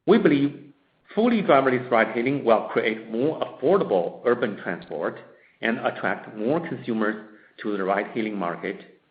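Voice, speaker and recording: A man presenting as a company executive, reading a scripted corporate statement in formal, measured short phrases on a conference call. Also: medium pitch, lively intonation. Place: conference call in a roomy space. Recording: dull, echoey conference-call audio.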